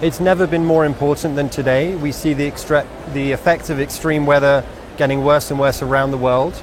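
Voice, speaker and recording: A man's voice: a little high, fairly even intonation, fairly quick. A man from the United Kingdom, a summit delegate, explaining his views steadily in a street interview. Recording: outdoor noise.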